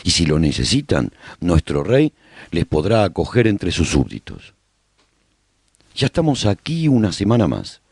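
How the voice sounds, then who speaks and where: A man's voice: low voice, huge pitch swings, measured pace, creaky, darkish tone, husky, dry recording, studio quality, heavily acted. A man playing a survivor who hosts a radio broadcast, narrating a post-apocalyptic chronicle as a scripted radio serial. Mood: welcoming, urgent.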